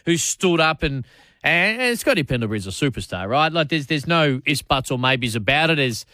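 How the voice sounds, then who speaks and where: A man's voice: a little high, sing-song, moderate pace, pushed and bright, no echo. An Australian man hosting sports talkback radio, matey and chatty, often restarting his phrases. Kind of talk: casual talkback commentary. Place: radio studio.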